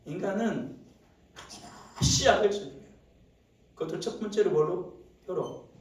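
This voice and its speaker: A man preaching in a church, his fairly high voice ringing through a very echoey hall and sounding set back from the mic. He drops to low murmurs, then bursts into loud exclamations, and keeps throwing rhetorical questions at his listeners. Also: distant mic. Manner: asks the congregation rhetorical questions. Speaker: pastor. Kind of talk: sermon. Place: church sanctuary.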